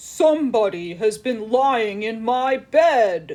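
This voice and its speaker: A put-on character voice, gruff and fairly high in pitch, moves at a very slow pace. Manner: loud, shouting.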